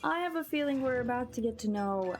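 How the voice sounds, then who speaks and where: A woman livestreamer giving casual game commentary and chatting to viewers in a soft, hesitant, musing manner. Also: fairly high pitch, expressive, a little fast, soft background music.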